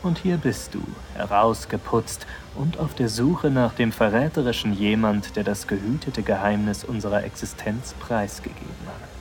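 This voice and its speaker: A seductive male vampire, voiced by a man in an erotic audio drama, his velvety voice sitting a little low. He teases and probes with slow, confident questions. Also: lightly acted. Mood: teasing. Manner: teasing, probing questions.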